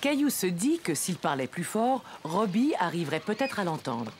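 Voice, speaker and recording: A woman playing the kindly storyteller of a preschool cartoon, with expressive, clearly phrased scripted narration. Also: on the low side, moderate pace, background noise. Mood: storytelling. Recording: loud music under the narration.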